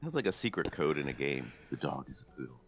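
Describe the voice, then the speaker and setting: A man with an extremely deep, gravelly voice puts in short, casual remarks. Faint music sits behind him as he talks on a podcast. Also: very animated, fast talker. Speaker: podcast co-host. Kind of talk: casual chat about games.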